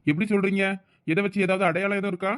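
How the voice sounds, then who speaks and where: Casting: man as officious, doubting cartoon cop, high-toned, breakneck delivery, Tamil accent. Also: little pitch movement, rapid-fire, close to an everyday voice. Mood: sceptical. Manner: official, questioning. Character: strict, sceptical by-the-book police officer. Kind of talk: cartoon drama dialogue.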